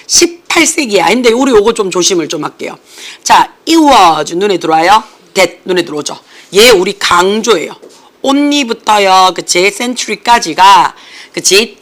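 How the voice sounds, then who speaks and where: Lively woman lecturing. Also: medium pitch. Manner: lively, asks students constant check questions. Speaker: English academy instructor. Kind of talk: classroom lecture.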